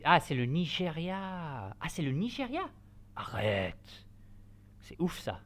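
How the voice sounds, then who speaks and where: Live football stream host, first language Spanish, casual chat, halting, many restarts, switches to French. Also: mid-range voice, a bit bright. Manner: switches between English and French. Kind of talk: casual live match chat, answering viewers.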